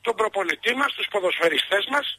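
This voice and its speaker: A man phones in to a radio comedy show, his high voice swooping widely and sharp-edged. He sounds theatrically solemn and indignant, on a dry, close line. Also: lively intonation, no room sound. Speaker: caller. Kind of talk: comic radio call-in.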